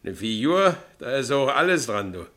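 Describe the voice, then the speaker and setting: Gullible Berlin ex-convict, boastful, medium-pitched voice, local accent, radio play. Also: male voice, big pitch swings, moderate pace, fairly bright tone. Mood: guarded, boastful. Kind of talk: German radio drama acting.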